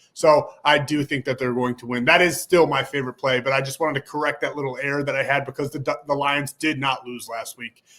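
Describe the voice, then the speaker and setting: Fairly high-pitched and fairly quick, a man speaks in an energetic, bright, sharp tone. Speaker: sports betting YouTuber. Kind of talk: sports betting picks monologue. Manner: fast.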